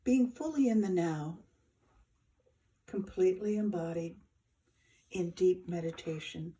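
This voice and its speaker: A woman teaching yoga nidra, giving soft, soothing guided meditation instructions in short phrases with pauses. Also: on the low side.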